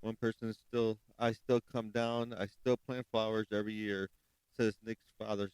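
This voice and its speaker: A man hosts a true crime podcast in a loose, rambling way, often stopping to correct himself. His voice is smooth and clear, recorded close and dry with no room sound. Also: lowish voice, level tone, darkish tone, no room sound, low-quality recording. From Chicago, United States. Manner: rambling, self-correcting, spells things out slowly. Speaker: podcast host. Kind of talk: casual true crime commentary.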